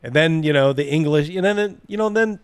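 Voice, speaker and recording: A man with a fairly high, smooth voice hosts a livestream reacting to a video, talking a little fast. He is blunt and mocking, swears freely and stops to read viewer comments, recorded close and dry without room echo.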